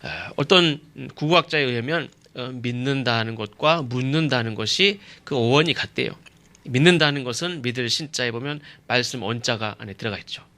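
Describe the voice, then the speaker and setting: A man's voice: medium pitch, normal speed, bright, forceful tone. A male pastor giving an expository sermon who keeps asking the congregation rhetorical questions and often uses fillers like "uh" and "yes".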